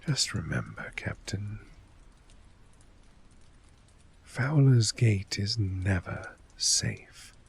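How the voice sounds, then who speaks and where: Man acting a slow, gravelly, cynical fantasy fort official. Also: on the low side, sing-song, a little hiss or hum, full character voice. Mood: ominous, resigned. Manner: measured, dry, sardonic, dropping into whispers. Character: cynical, world-weary male fort official briefing an exiled captain. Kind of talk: ASMR fantasy role play, soft-spoken narration.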